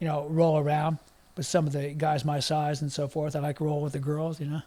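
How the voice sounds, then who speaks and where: A man with an American accent talks at a fairly quick pace, his fairly high voice dark, mellow and somewhat breathy, with monotone, flat intonation. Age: 60s. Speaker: fitness coach and jiu-jitsu instructor. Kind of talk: podcast interview.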